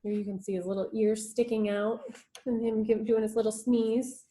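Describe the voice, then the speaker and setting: A woman's voice: fairly high pitch, level tone, moderate pace, warm tone. A woman teacher reading a children's storybook aloud expressively, with little asides about the pictures. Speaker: schoolteacher reading to her class.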